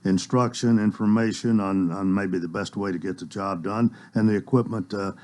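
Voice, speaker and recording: A man hosts a small-town radio chat show in a relaxed, folksy way. He speaks in a fairly low voice and often stops to search for words. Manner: folksy, halting with many uh's. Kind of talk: casual local radio chat.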